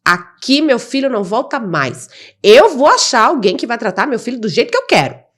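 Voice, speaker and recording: A woman's voice: fairly high pitch, very animated, moderate pace. A Brazilian woman, a mother telling her story in a podcast interview, blunt and impassioned. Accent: Brazilian Portuguese. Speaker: guest, mother of an autistic child.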